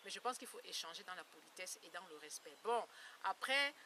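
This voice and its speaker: A woman's voice: fairly low pitch, animated, fairly quick, pushed and bright. A woman in her fifties speaking informally to her followers in an earnest, emphatic way, repeating phrases for emphasis. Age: 50s. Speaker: beauty blogger and campaigner against skin lightening. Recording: distant mic, clear background noise.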